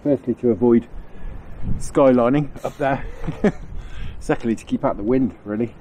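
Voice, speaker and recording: A man's voice: mid-range voice, moderate pace, dark tone. Congested man chatting on a windy riverbank. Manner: chatty, rambling, chuckles often. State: congested from a cold, nasal. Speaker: angling vlogger. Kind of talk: casual on-the-spot commentary. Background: faint wind noise.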